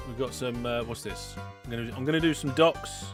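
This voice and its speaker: A man hosts a live game stream, talking his way through the gameplay, reading viewer messages aloud, and reacting with mock alarm. His voice is medium-pitched and a little fast, and background music plays throughout this live commentary.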